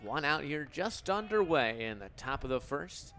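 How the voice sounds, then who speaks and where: An American man in his twenties calling live baseball play-by-play for radio in a crisp, descriptive announcer delivery. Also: fairly high pitch, sing-song, normal speed, fairly bright tone, slight background noise. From Illinois, United States. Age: 20s.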